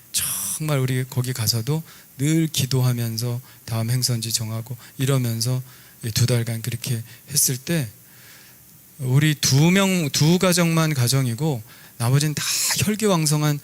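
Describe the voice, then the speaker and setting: A middle-aged man, a pastor, preaching a sermon in a relaxed, conversational storytelling way with lively asides. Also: mid-range voice.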